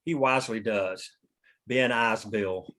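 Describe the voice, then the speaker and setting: A man's voice: on the low side, slow pace, fairly bright tone. A man reading scene headings and action lines at a script table read, in scripted narration. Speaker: stage directions reader at a script table read.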